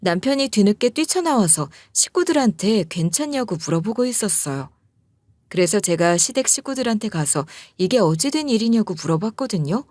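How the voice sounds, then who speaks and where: A woman's voice: mid-range voice, big pitch swings, moderate pace, a little mellow, no echo. A woman narrating a first-person story in a chatty, confiding way.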